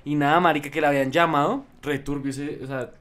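A man's voice: on the high side, quick pace. A young man with a Colombian accent, co-hosting a podcast, telling stories with lots of swearing and drama. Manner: animated storyteller, swears a lot. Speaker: podcast co-host. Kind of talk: casual chat.

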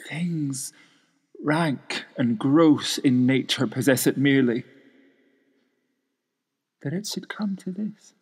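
A man's voice: mid-range voice, slow, pauses often, a little mellow, husky, long reverb tail. A man playing an anguished, weary young prince in a Shakespearean stage soliloquy. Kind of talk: Shakespearean dramatic monologue.

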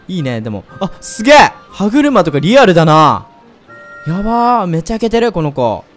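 Excitable man with a lively voice. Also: sits high. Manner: excitable, bursts into loud whoops; chatty, speaks to viewers directly. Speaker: game commentator. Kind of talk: let's play commentary.

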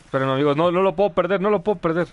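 A man's voice: high-pitched, rapid-fire, no echo, lo-fi sound. A man commenting live on his gameplay, chatting with viewers and yelping at mishaps. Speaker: gaming streamer.

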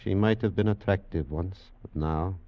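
A man playing a skeptical, wry senior hospital doctor with formal, measured phrasing, in 1940s radio drama style. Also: low-pitched. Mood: grave, wry. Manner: measured, formal, dryly humorous. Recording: dull vintage 1940s radio recording.

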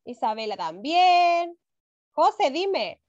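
A woman's voice: high voice, sing-song, slow, a little mellow. A woman with a Chilean accent teaching a first-grade class online, affectionate and encouraging with her pupils. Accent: Chilean Spanish. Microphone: video call. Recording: dull lo-fi video call audio.

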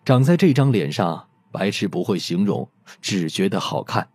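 A man narrating a mystery audiobook in an expressive storytelling manner. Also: deep voice, moderate pace, slightly rough, dry recording.

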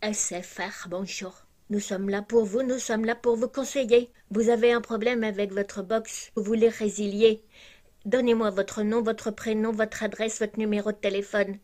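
A woman's voice: mid-range voice, fairly even intonation, normal speed, darkish tone, close to an everyday voice. A woman mimicking an overly polite female phone support agent who sounds scripted and dismissive. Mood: falsely helpful.

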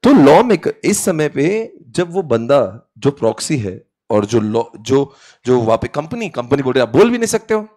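A man's voice: mid-range voice, animated, unhurried, darkish tone. A young man teaching law in a classroom lecture, playful and acting out quoted exchanges, mixing into his Hindi.

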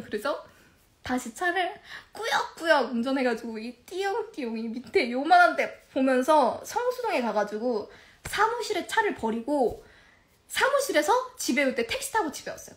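Animated high-voiced young woman storyteller. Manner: animated, laughing often, acts out quarrels. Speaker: livestreamer. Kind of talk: casual live-stream storytelling.

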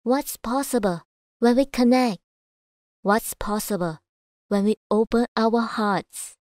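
Female voice-over artist: slightly high, unhurried, measured delivery, dry close recording. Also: darkish tone, no echo. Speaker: voice actor. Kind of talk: voice-over demo reading of commercials, narration and announcements.

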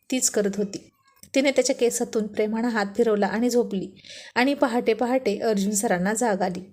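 A woman's voice: on the high side, a little mellow. A woman narrating a serialized romance story, with chatty asides to the listener.

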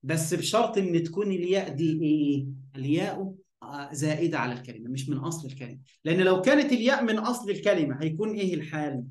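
A man's voice: fairly high pitch, animated, fast talker, a little mellow, roomy sound. A man with an Egyptian accent teaching Arabic grammar in an online lesson. He poses questions, answers them himself, and keeps checking that his students follow.

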